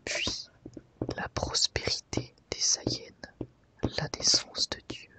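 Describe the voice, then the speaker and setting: A woman presenting an ASMR video in a soft, breathy whisper, with gentle, unhurried and careful phrasing. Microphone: microphone set slightly off to the side.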